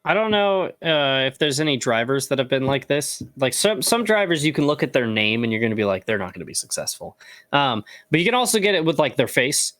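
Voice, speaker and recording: A man co-hosts a casual podcast with an easygoing, hesitant delivery full of fillers. His voice sits at a middling pitch. The recording is dry and close. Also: very animated, brisk, a bit bright, no echo. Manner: laid-back, hesitant with fillers. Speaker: podcast co-host.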